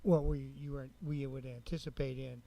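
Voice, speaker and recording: Male council member, soft-edged mellow tone, mid pitch, halting, rephrases often, questioning in a public meeting. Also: flat delivery, gravelly.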